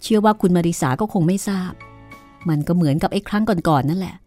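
A woman's voice: fairly low pitch, fast, dark tone, soft background music, natural voice. A woman reading an audiobook, voicing a harried, defensive young man in a horror story. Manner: flustered, exasperated pleading.

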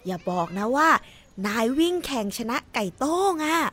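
A woman voicing an inquisitive, blunt young boy who asks lively questions in a children's audio drama. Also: sits high, normal speed.

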